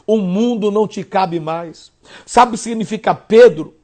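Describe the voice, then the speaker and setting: High-voiced emphatic Brazilian pastor. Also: male voice, a little slow. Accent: Brazilian Portuguese. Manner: emphatic preaching, swings from loud peaks to hushed lines; repeats phrases in rhythmic runs. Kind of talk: radio sermon.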